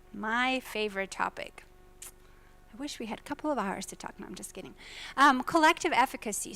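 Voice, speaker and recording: A woman's voice: a little high, bright, forceful tone. A woman from Croatia giving an earnest talk to a conference audience, putting questions to the listeners. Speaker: faculty presenter. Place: lecture hall at a business summit.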